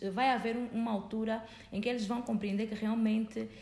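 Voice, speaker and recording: A woman's somewhat breathy voice at a fairly high pitch, with audible room echo. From Angola. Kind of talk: testimony. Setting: studio, in person.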